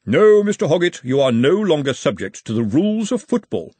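A man's voice: on the high side, sing-song, brisk, mellow, breathy edge, dry recording, pitched above the performer's own voice. A man doing a prim, pompous referee. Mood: haughty. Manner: prim, over-precise. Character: pompous precise male referee, a scholar.

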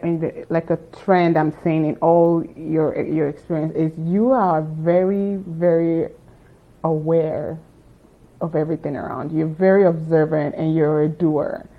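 Lady interviewer, kinda low voice, sounds like a phone line, feels her way through the question. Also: level tone, measured pace. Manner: thoughtful, searching for words.

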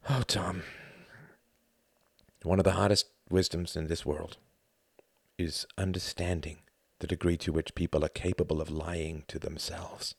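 Older German man, secretive and weary, read by a man narrator; low voice, grave and measured, dry close sound. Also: flat delivery, vocal fry, breathy edge, no room sound, heavily acted.

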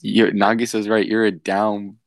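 A man's voice: on the low side, flat delivery, measured pace, creaky, no room sound, clean studio sound. A man in casual podcast banter, talking in slang and egging his friends on. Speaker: podcast co-host.

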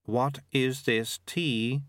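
Man playing a slow, cold, imperious inhuman overseer. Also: medium pitch, fairly even intonation, a bit bright, no room sound, clean studio sound, pitched above the performer's own voice. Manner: slow, deliberate, formal and demanding.

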